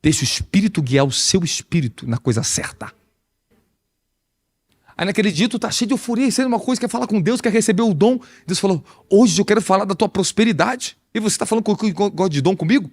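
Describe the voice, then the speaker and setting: A fast-talking man with a high pitch preaches as an apostle; his Brazilian Portuguese accent colors a lively, conversational sermon full of rhetorical questions.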